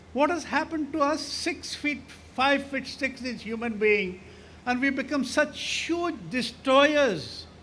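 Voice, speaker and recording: Speaking at a very slow pace and an extremely high pitch, a man is heard with audible room echo. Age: 80s+. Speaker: architect and guest speaker. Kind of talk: commencement speech. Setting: graduation ceremony in an arena.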